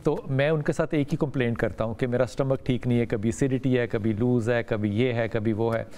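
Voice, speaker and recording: A man's voice: medium pitch, fairly even intonation, brisk, a little mellow. Man, Pakistani Urdu accent, live call-in host, talk show, short agreeing interjections.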